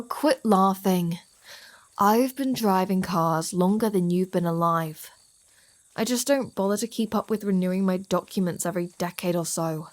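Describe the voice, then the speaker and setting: Woman playing a slow-talking, flirty female vampire. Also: fairly low pitch, close to an everyday voice. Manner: playful, sardonic, mock-exasperated. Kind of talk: ASMR roleplay audio drama.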